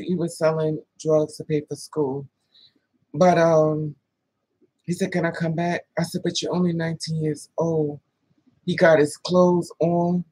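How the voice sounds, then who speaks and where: A woman in her thirties, vlogging, relates a dating tale with plenty of swearing, laughing asides, and quoted dialogue where she performs both sides. Her deep voice is husky and breathy. The recording is close, dry, and echo-free, though the audio quality is poor.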